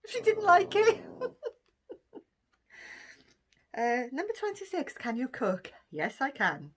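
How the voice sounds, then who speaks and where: A woman's voice: high-pitched, wildly swooping pitch, slow pace. A middle-aged Welsh woman from Cardiff, chatting casually through a list of questions for her vlog, with frequent ums and laughter. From Cardiff, Wales. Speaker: vlogger. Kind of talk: casual chat answering a question tag.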